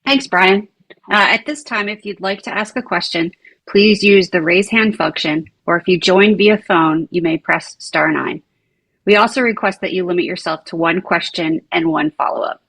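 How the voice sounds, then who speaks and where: Female moderator, husky with heavy vocal fry, polite procedural conference-call delivery. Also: fairly low pitch, normal speed, a bit bright, poor audio. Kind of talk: scripted question-and-answer moderation.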